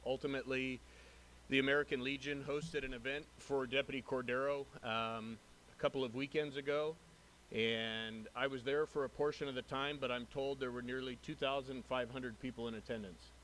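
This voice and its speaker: A man speaking as a police captain, giving earnest, measured formal remarks at a public meeting. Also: medium pitch, fairly even intonation, a bit bright, rough recording. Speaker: police captain introducing a new lieutenant. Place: city council chamber. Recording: noticeable background noise, room ambience.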